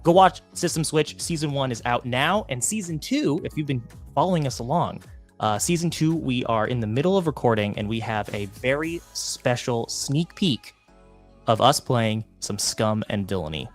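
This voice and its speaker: A man's voice: mid-range voice, expressive, moderate pace. Man, livestream co-host, upbeat plug with faint music underneath, eager and pleading. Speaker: podcast co-host. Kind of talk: livestream promo pitch.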